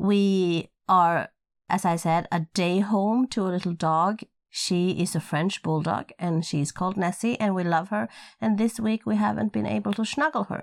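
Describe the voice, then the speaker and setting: Speaking with a Swedish accent, a woman uses medium pitch and lively intonation at a moderate pace. The recording is very clean with a silent background, dry and close with no echo. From Sweden. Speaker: podcast host. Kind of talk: casual chat.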